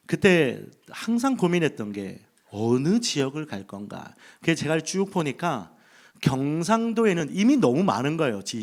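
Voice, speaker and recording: A male pastor from Busan preaches into a handheld mic in a church, with a lively voice that rises and falls a lot. He spins a funny story and acts out his own past thoughts, keeping the room engaged. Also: mid-range voice. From Busan, South Korea. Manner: humorous storytelling with acted inner thoughts. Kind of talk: sermon. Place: church sanctuary.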